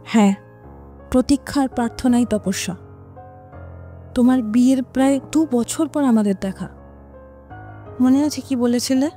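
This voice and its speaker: A woman's voice: a little high, a little slow, long pauses, dark tone, close to an everyday voice. An actress playing an impatient, determined woman in an audio drama, pressing her lover in an insistent, dismissive way. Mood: intense longing. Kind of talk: Bengali audio drama dialogue. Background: dramatic music.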